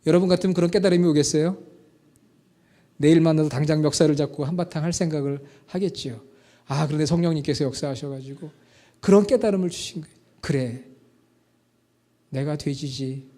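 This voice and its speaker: A man's voice: a little high, fast talker, mellow. A man preaching a sermon, telling a story and asking the congregation questions as he goes. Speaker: pastor.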